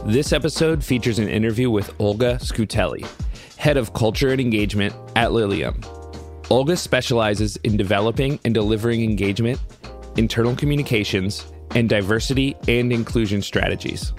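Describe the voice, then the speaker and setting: A man reading a scripted podcast introduction in a smooth announcer style. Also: lowish voice, brisk, faint music behind.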